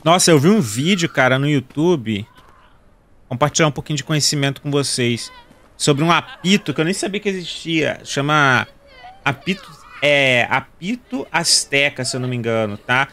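A man's voice: a little high, lively intonation, normal speed, a bit bright, slight background noise. A man in his thirties with a Carioca accent from Rio de Janeiro, casually joking and chatting with viewers while playing a game. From Brazil. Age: 30s. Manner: joking, slangy, talks to viewers. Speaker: gaming video host. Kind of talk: casual gameplay commentary.

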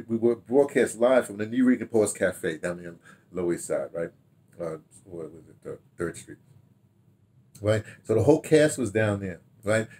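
An older American man speaks in a fairly low voice. He reminisces informally to camera, rambling and halting, often repeating a word before moving on. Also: warm tone, slightly rough. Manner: rambling, halting delivery, repeating words, checking notes aloud. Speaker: radio drama producer recalling past productions. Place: small book-lined room at home, indoors.

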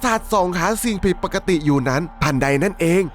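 Narrating a dramatic horror story recap, a channel host and storyteller politely and conversationally addresses his audience as he goes. He has a high voice and talks fast, with faint music playing behind him.

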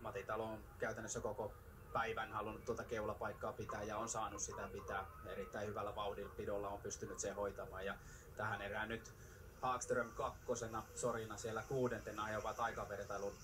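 Low, flat-voiced male expert commentator. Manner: measured, explanatory. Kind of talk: analytical sports commentary. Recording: distant, noisy TV broadcast capture.

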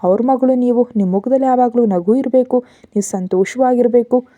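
A woman's voice: on the high side, a little fast, no echo, phone-quality sound, voice pushed up, close to an everyday voice. A woman voicing an earnest, humble young man. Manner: soft, respectful, apologetic.

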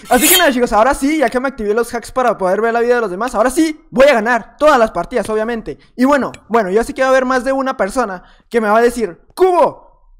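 A man's voice: very high voice, fairly bright tone. A man giving casual, playful commentary over his own gameplay. He rambles a little and teases the players he fights. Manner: playful, rambling, teasing opponents. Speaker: gaming video creator.

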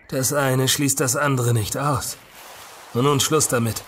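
A man's voice: mid-range voice, steady tone, takes it slowly, fairly bright tone, slight background noise. An actor playing a callous, predatory man in a horror audio drama, speaking in a cold, domineering way. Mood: cold, dismissive.

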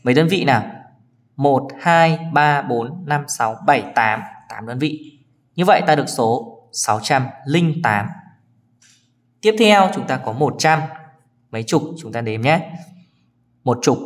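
A man teaching a children's math lesson, counting patiently step by step and often checking in with his pupils. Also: mid-range voice.

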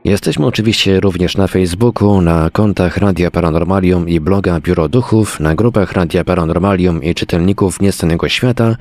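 A man with a low voice presents a live radio show. He delivers introductions and announcements as the host at the controls. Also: brisk, few pauses, darkish tone, no echo. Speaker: radio host and technical producer.

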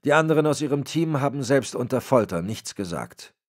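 A man's voice: mid-range voice, expressive, brisk, voice pushed up, natural voice. A man voicing a dutiful male officer reporting to his boss in a deferential way. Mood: tense.

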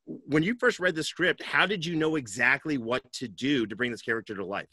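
A middle-aged male host asks questions on a video-call interview. His mid-pitched voice is bright and forceful. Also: fairly quick, breathy edge. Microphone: headset on video call.

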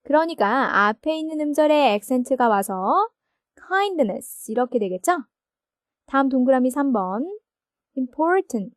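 High-voiced woman teaching slowly. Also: no room sound, studio quality. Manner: slow, explanatory, asks confirming questions. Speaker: English grammar teacher. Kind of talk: recorded textbook lesson.

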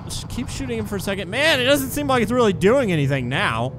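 Excitable young man narrating gameplay. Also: high-pitched, fast, noisy background. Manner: excitable, laughing, bursts of shouting at the action. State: has the hiccups. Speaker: gaming YouTuber. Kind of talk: casual gameplay commentary.

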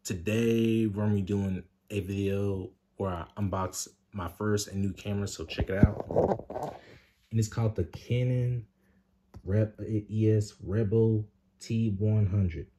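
Deep-voiced young man unboxing, halting. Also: fairly even intonation, mellow, slight background noise. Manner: halting, repeats words and fillers. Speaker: vlogger. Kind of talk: casual unboxing vlog.

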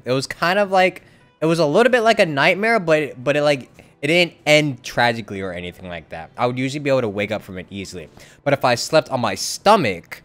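A man chats as a game streamer with very lively swings in pitch. His talk is casual and rambling, with halting turns, over faint game music. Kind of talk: casual live-stream commentary with reading aloud.

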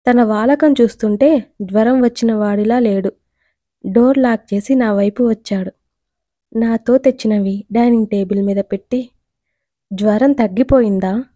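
A young woman narrates a first-person audio story with expressive, dramatic reading. Her voice sits a little high yet sounds dark and mellow. The recording is close and dry. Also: moderate pace, no room sound.

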